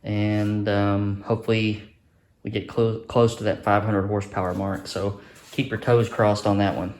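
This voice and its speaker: Male engine builder for casual how-to video: lowish voice, plainspoken, down-home and unassuming delivery. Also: little pitch movement, normal speed, a little mellow. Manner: folksy, plainspoken, modest. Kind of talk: casual hands-on explanation to viewers.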